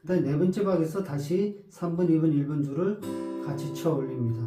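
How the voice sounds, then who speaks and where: A man's voice: fairly high pitch, a little fast, roomy sound. A man teaching a guitar lesson, patiently explaining step by step and counting the beats aloud.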